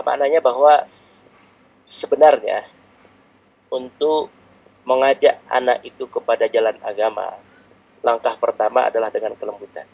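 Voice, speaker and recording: A man preaching a religious lecture in a calm, explanatory teaching manner, repeating his points often. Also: medium pitch, gravelly, husky, muffled recording.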